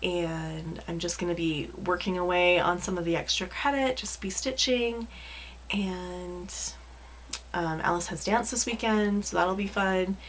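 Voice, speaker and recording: A woman talks fairly slowly, her voice carrying audible room echo. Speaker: flosstube cross-stitch vlogger. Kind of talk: casual vlog chat to viewers.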